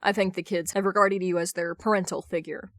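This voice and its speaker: A woman voicing a gloomy, condescending, stoic man with terse deadpan delivery in audiobook dialogue. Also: lowish voice, brisk, dry recording, clean studio sound, lightly acted. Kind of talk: fan fiction audiobook dialogue.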